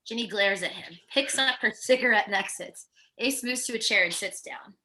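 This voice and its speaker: A woman's voice: medium pitch, normal speed, bright, forceful tone, poor audio. A woman narrating stage directions from a script at a virtual table read. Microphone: video call microphone.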